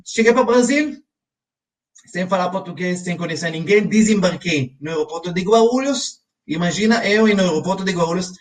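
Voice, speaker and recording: A man's voice: high-pitched, fairly quick, distant mic. A man in his forties with an Israeli accent, teaching a live financial webinar and often checking in with his viewers. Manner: talks straight to his audience, often checking in with "ok?". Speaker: financial educator.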